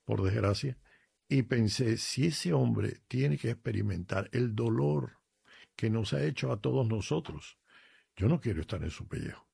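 Un sacerdote cubano con acento cubano, que habla con fervor y cuenta anécdotas personales en un programa de radio. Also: male voice, medium pitch, expressive, unhurried, vocal fry, mellow, husky, no room sound. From Cuba. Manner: earnest, emphatic, tells personal stories. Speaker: priest, regular guest. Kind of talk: radio chat on faith.

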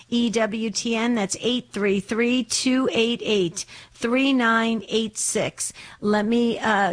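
A woman hosting a religious call-in radio show, speaking enthusiastically and often repeating her words. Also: on the high side.

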